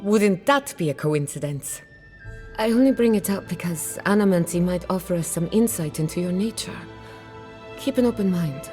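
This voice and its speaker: An actress playing a proud, sharp-tongued outcast woman scholar in dramatic video game dialogue, articulate, assertive and wry. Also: fairly low pitch, animated, normal speed, faint music behind, natural voice. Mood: curious, wry.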